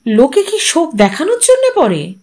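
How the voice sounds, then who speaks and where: A woman voicing a brisk, insistent middle-aged lawyer brother in an audio story, speaking emphatically. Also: sits high, huge pitch swings, darkish tone, voice pushed up, heavily acted. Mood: incredulous, insistent. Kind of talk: audio story character reading.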